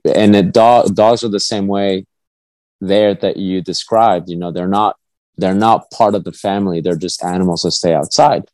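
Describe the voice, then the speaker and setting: Low-voiced host, dry close sound. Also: male voice, fairly even intonation, normal speed, darkish tone, dry recording. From South America. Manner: loose, filler-heavy questions. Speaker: podcast host. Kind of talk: casual interview hosting.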